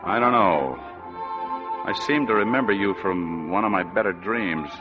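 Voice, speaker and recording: Dry wisecracking private eye, low voice, music under old muffled radio. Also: male voice, animated, moderate pace. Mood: sardonic. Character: wisecracking, hard-boiled male private eye. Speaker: private detective and narrator. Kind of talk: 1940s radio acting.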